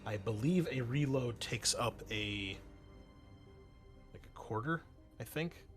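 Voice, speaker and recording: Male game master, medium pitch, patient and slightly halting casual explainer, faint music underneath. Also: expressive. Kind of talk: casual online tabletop roleplaying game talk. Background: background music.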